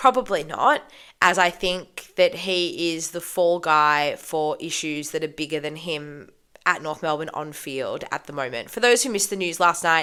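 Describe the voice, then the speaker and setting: This woman talks at a moderate pace with an Australian accent and a bright, sharp tone. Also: ordinary pitch variation, very clean recording, silent background. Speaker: football fan vlogger. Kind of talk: casual vlog commentary.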